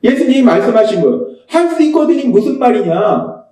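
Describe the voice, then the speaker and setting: Man preaching in a church, really high voice, mellow tone, big echoey hall, mic kinda far off. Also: big pitch swings, fairly quick. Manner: emphatic, repeats key phrases, rising to shouts. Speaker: pastor. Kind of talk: Sunday sermon. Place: church sanctuary.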